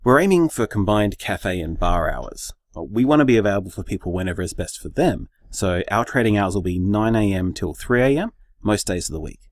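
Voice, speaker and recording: An actor playing an earnest gay bar co-owner in a radio drama interview, with an Australian accent and an articulate, measured manner. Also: male voice, lowish voice, big pitch swings, dry recording, clean studio sound.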